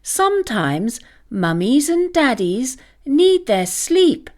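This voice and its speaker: A woman's voice: high-pitched, sing-song, slow, pitched above the performer's own voice, heavily acted. A woman voicing a mother dog in a children's storybook, firm and protective but loving. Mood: gentle, apologetic.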